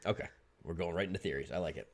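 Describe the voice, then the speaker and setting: A man co-hosting a casual podcast, talking in an animated way, swearing freely and saying "like" a lot. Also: deep voice, rapid-fire. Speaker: podcast co-host. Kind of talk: casual chat.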